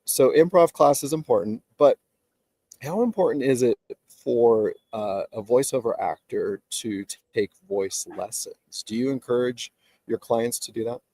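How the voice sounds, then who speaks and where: A man hosting an interview, his voice stuffed up and nasal and sounding dry and close. He asks relaxed, conversational questions over a video call from outdoors, at a middle pitch. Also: unhurried, dry recording. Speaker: host. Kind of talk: interview, casual chat.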